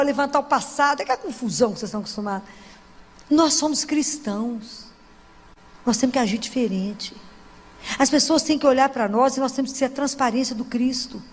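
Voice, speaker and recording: A Catholic lay preacher, a woman with a high voice, gives a sermon to a congregation in church, telling stories warmly and often adding "né?" asides. A long hall reverb fills the recording.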